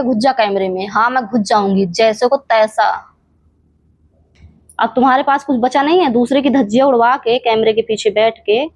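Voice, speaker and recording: A young woman addresses her camera in a heated reaction vlog, firing rhetorical questions at an absent rival and scolding her directly. Her voice sits a little high. The sound is dry and close, with no room around it. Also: a little mellow, dry recording, highs cut off. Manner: rhetorical questions and repeated challenges. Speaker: reaction channel creator.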